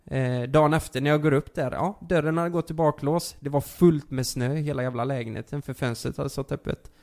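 A man's voice: fairly high pitch, fairly even intonation, darkish tone. A young man telling a personal story in a casual chat, rambling with lots of fillers and restarts.

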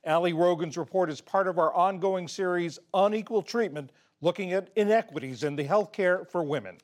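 A male news anchor reading scripted headlines and story introductions in a measured broadcast delivery. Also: sits high.

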